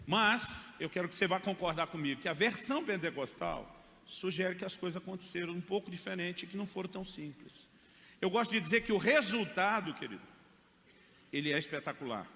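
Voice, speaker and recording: A Brazilian Portuguese-accented male pastor gives a chatty testimony, calling listeners brother as he goes. His voice is bright and cutting, pitched a bit high for a man. A long hall echo and faint background noise surround him. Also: creaky. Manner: conversational storytelling, addresses listeners as "irmão". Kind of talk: sermon testimony.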